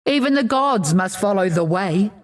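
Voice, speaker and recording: A woman playing a proud, opinionated tribal warrior, recounting her people's myths in a measured, assured way for a game. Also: mid-range voice, animated, close to an everyday voice. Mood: wry, storytelling. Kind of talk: scripted in-character lore narration.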